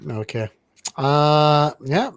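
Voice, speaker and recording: Brief: man, podcast co-host, slow unhurried delivery, deadpan and rambling. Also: on the high side, smooth. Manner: rambling, deadpan, swears casually. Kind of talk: casual movie-review chat.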